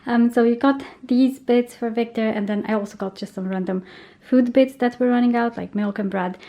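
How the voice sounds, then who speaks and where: A young pregnant woman chatting casually to camera in her vlog, gushing and filling pauses with "um". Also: a little high, fairly even intonation, mellow, reverberant. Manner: chatty, gushing, many fillers. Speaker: vlogger.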